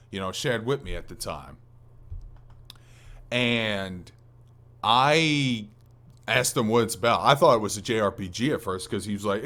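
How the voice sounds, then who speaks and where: A man with a fairly low voice talks as a podcast co-host. His delivery is casual and conversational, and it rambles along like a chat between gaming friends. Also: fairly bright tone. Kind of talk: casual chat about video games.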